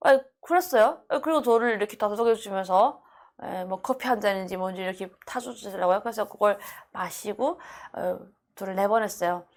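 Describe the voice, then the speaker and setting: A woman's voice: mid-range voice, a little fast, a little mellow. A woman from North Korea telling her defection story in an earnest, emotional monologue with many fillers.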